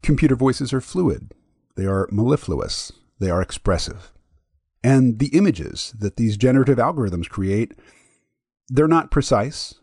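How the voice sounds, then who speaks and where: Man, podcast host, mid pitch, reflective explanatory monologue, dry close sound. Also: a little mellow, no echo. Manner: thoughtful, explanatory.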